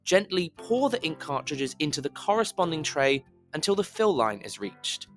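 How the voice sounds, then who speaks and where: A man's voice: fairly high pitch, big pitch swings, moderate pace. A man reading scripted narration as a voice actor, with a slightly pushed, over-articulated delivery, recorded in an audible room. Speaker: voice actor on a demo reel. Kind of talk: scripted commercial and instructional narration. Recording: roomy, reverberant home recording, music bed. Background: music bed in places.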